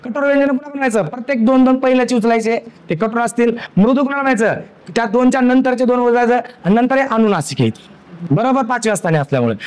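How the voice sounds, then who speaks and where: A male teacher with a Marathi accent leads a grammar lesson in a strikingly high voice. He quizzes the class and answers his own questions, then sounds out letters slowly one after another. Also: darkish tone. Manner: drills by asking questions and answering them himself.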